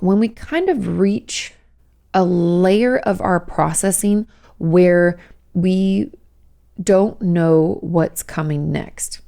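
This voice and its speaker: A hoarse woman, hosting a casual advice podcast as a therapist and explaining things patiently with frequent "okay?" check-ins. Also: fairly low pitch, a little mellow. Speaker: host, licensed therapist.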